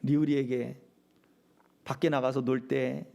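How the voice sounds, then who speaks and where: A man's voice: mid-range voice, level tone, a little slow, vocal fry, warm tone. A middle-aged male pastor preaching a sermon at a church service, often asking the congregation rhetorical questions.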